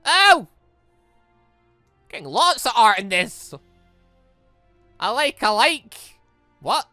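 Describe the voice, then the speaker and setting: Guy doing a lets play, really lively pitch, bright voice, dry mic with game music behind. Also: takes it slowly, no room sound. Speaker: video game let's player. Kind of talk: casual let's play commentary, reading visual novel dialogue aloud.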